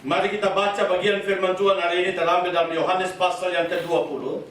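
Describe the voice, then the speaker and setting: High-voiced pastor in an echoing hall. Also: male voice, level tone, fairly bright tone, a little hiss or hum. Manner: deliberate, repeats key phrases. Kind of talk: sermon with scripture reading. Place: church hall. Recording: very echoey hall, voice from far off.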